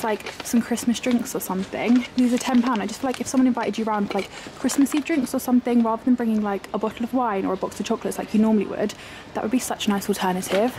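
A woman's voice: on the high side, fast, background noise. A British woman in her twenties, chatting on a handheld camera as she browses a large shop, gushing and filling her talk with "like". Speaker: vlogger. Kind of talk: shop-with-me vlog. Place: large clothing and homeware shop, indoors.

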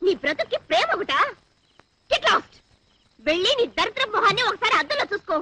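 A woman's voice: very high-pitched, big pitch swings, brisk, noisy background. An actress playing a fiery young woman hurling insults at her captor, mixing English into her speech. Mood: scornful. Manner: scornful, insulting, mixes English in. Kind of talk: 1990s Telugu film dialogue.

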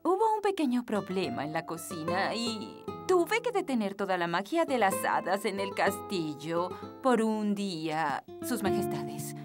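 A woman with a Latin American Spanish accent voicing a prim, exasperated fairy nanny in a children's cartoon, theatrical and crisply formal. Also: medium pitch, sing-song, measured pace, hardly any pauses. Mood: prim, composed. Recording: loud music behind.

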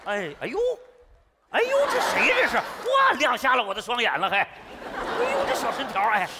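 An actor playing a boastful, cheeky son-in-law who teases his in-laws in loud exclamations. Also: high voice, very animated, fairly quick, a loud crowd, very noisy. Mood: teasing. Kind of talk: sitcom acting before a live audience. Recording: roomy stage with loud audience laughter.

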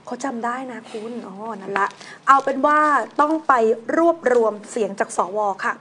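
Woman, high-pitched, news talk host, relaxed chatty commentary. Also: normal speed, slight background noise. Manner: reads news items then banters in a relaxed, conversational way.

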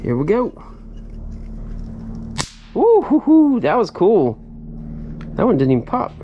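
A middle-aged man who resells storage units chats casually while unboxing, breaking into excited exclamations over his finds. His voice is high and slow, recorded on a head-mounted action camera inside a storage unit, with the highs cut off and a little hiss or hum.

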